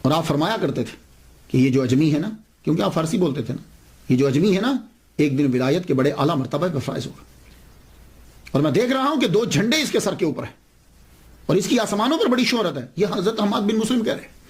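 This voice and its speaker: A man delivers a devotional lecture as a story. His voice sits a little high and swings widely in pitch. He repeats key phrases and poses questions that he answers himself. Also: big pitch swings. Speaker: religious lecturer.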